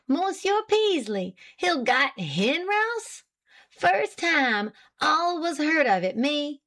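Woman playing an excitable man. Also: sits high, slow pace, voice pushed up, full character voice. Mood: sly innocence. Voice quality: broken dialect English, protesting and wheedling. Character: excitable French-Canadian man, sly and indignant witness.

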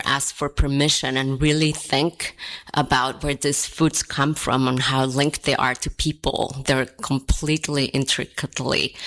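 A woman's voice: a bass voice, a bit bright. A woman from Colombia co-hosting a podcast, speaking earnestly and listing her words one by one. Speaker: podcast co-host. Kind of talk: reflective conversational talk.

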